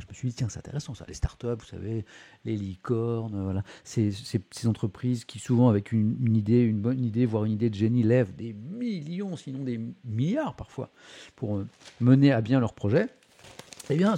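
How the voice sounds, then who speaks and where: Gravelly-voiced man chatting on a live stream. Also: medium pitch, dark tone. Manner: chatty, many fillers, reads articles aloud with asides to chat. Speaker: live-stream host reviewing the morning press. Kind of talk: casual live-stream press review.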